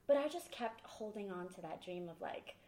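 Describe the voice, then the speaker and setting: A woman from Sweden, a podcast guest, telling her story in a lively, candid way. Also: mid-range voice, normal speed, roomy sound, slight background noise. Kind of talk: casual interview talk.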